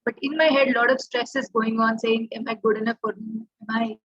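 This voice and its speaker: A woman's voice: a little high, steady tone, fairly quick, a bit bright, husky, no echo. A woman asking an earnest, hesitant question over a video call. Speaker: general evaluator at a speaking club. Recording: dull, dry video-call audio.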